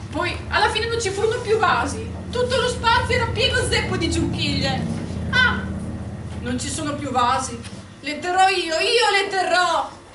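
Noticeable background noise accompanies a woman who speaks with long, frequent pauses. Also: moderate pace. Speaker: actress performing a monologue. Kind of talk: theatrical monologue. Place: stage.

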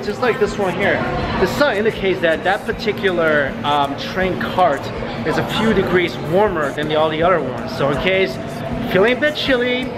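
Music in the background beneath a man's moderately paced speech. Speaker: travel vlogger. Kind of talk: casual vlog chat. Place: station. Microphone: phone near.

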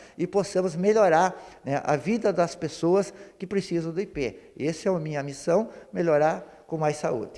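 In a dark, mellow tone, a man talks with a quiet background behind him. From Rio Grande do Sul, Brazil (Santiago); Rio Grande do Sul, Brazil. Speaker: health plan director and politician; politician. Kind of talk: interview. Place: office. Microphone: handheld.

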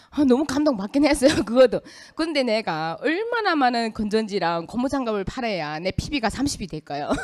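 Against a quiet background, a woman with a high pitch talks at a moderate pace, her voice making very wide pitch swings. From China. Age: 30s. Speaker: business presenter; presenter. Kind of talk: sales pitch. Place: classroom. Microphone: handheld.

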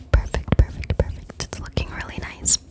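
A soft-spoken woman whispering at a moderate pace amid noticeable background noise. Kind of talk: soft-spoken roleplay chat. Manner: soft ASMR whisper close to mic. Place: home room. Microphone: studio mic.

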